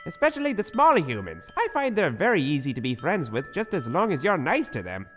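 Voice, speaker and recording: Woman as a pompous, excitable male skeleton, swooping wildly. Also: deep voice, a little fast, faint music behind. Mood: proud, cheery. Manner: pompous, theatrical. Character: boastful, innocent, excitable male skeleton monster. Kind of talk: fan comic dub.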